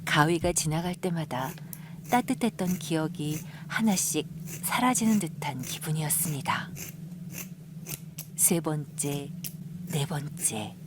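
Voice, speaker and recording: A woman professional narrator reading a scripted audio drama in a measured, gentle storytelling manner. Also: sits low, background noise.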